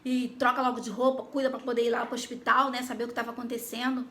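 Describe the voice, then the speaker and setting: A woman's voice: fairly high pitch, level tone, fast talker, fairly bright tone, slight background noise. A Brazilian woman with a Brazilian Portuguese accent telling a personal faith testimony, talking animatedly and addressing her listeners directly. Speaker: Christian YouTuber giving testimony.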